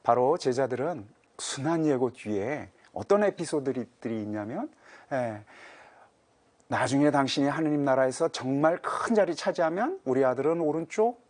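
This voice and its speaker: A man in his fifties, a Catholic priest, giving a lecture-style sermon and acting out quoted voices, moving from loud urging to hushed, low lines. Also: normal speed. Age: 50s. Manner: animated, voicing Jesus and Peter in quotes, swings between loud and hushed.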